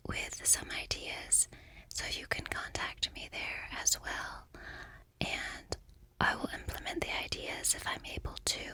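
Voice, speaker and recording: A gentle middle-aged woman whispers through a book reading for an ASMR talk. She speaks softly and quietly, never rushing, in a way that feels soothing.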